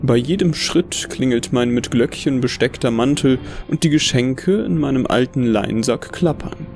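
A man reading a first-person horror story as scripted narration, in a measured, brooding storytelling manner. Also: medium pitch, creaky, a little mellow, a little hiss or hum.

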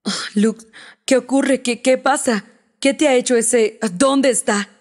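A protective man speaks firmly, trying to steady someone, as a woman narrator reads him. The voice stays close to her own higher register. It is an audiobook reading. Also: a little slow. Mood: angry. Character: protective man, angry then soothing.

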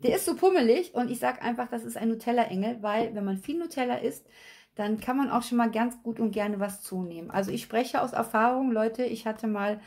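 A woman, slightly hoarse, giving a chatty tarot reading at a table and often checking in with viewers. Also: fairly high pitch, a little fast, darkish tone. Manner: chatty, repeats okay? and addresses viewers directly. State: slightly hoarse, recovering from illness. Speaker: tarot reader. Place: at a table with cards and a candle, indoors.

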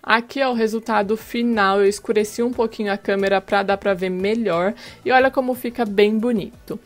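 Speaking fairly quickly at a medium pitch with fairly even intonation, a woman in her thirties with a Brazilian accent hosts a casual cake decorating tutorial. She's on a lapel mic, and background music plays.

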